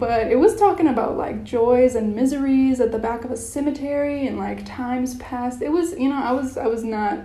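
With hardly any pauses, the speech carries audible room echo. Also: woman, high pitch for a woman, ordinary pitch variation, moderate pace. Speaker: language learning vlogger. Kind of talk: casual vlog chat. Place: home room.

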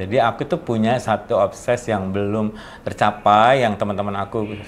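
A man with an unremarkable speaking voice talks at a moderate pace and a fairly low pitch. His intonation is fairly even, with light background noise behind him. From Medan, North Sumatra, Indonesia; North Sumatra, Indonesia. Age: 50s. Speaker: media founder and journalist; journalist. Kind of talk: casual interview chat. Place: studio. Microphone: lapel.

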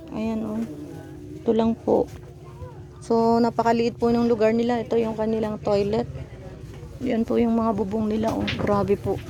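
A woman's fairly high voice, monotone and flat, at a moderate pace with long, frequent pauses and music in the background. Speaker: vlogger visiting a poor family. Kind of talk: on-location vlog interview and house tour.

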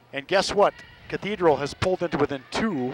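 Someone with an American accent speaks with ordinary pitch variation over noticeable background noise, the sound itself dry with no echo. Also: man. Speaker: sports play-by-play commentator. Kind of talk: live sports commentary. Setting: gymnasium, live broadcast. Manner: upbeat, friendly. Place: hall.

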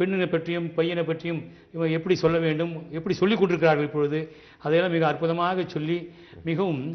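This man's voice is high in pitch, and his intonation stays fairly even. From Tamil Nadu. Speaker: poet and author; poet. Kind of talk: interview. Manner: formal. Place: studio. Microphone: lapel.

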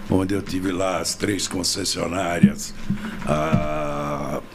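Music plays in the background while a man speaks. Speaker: podcast guest. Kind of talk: interview answer. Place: studio. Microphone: studio mic.

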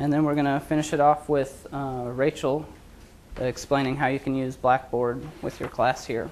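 Light background noise behind a man speaking at a moderate pace. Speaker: presenter. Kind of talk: presentation to faculty. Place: classroom. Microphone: lapel.

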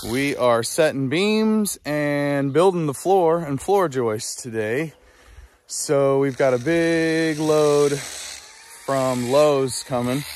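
A man speaks at a very slow pace with ordinary pitch variation. The sound is dry with no echo, with light background noise. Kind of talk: casual vlog chat. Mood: upbeat, relaxed. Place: open country. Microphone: phone near.

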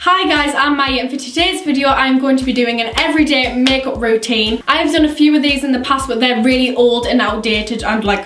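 A woman speaks at a high pitch with ordinary pitch variation, at a fairly quick pace with hardly any pauses. There is audible room echo and light background noise. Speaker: beauty vlogger. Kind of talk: tutorial. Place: home room.

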